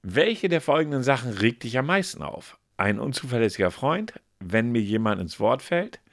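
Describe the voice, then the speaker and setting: A man's voice: medium pitch, big pitch swings, moderate pace, no room sound, clean studio sound. A man co-hosting a casual podcast, reading quiz questions and answer options aloud in a playful way. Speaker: podcast co-host.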